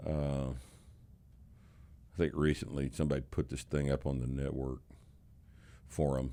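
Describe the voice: A man's very deep, low voice with an American accent, dark and mellow in tone, fairly slow and monotone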